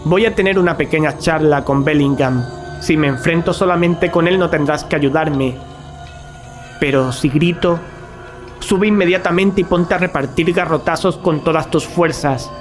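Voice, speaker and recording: Actor as resolute young student, higher-pitched male voice. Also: faint music behind, lightly acted. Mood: commanding. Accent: Castilian Spanish. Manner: firm, formal, deliberate. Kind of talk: audio drama acting.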